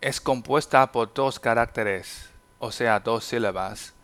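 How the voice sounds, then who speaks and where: Slow, patient male Chinese teacher. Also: mid-range voice, fairly bright tone, clear, resonant tone. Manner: slow, careful enunciation of example sentences. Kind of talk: podcast language lesson.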